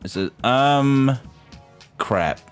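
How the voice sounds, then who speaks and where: With game music in the background, a man streams a let's-play of a visual novel, reading and translating it aloud with casual, irreverent asides. His clean, mid-range voice has lively intonation, and he draws out his words.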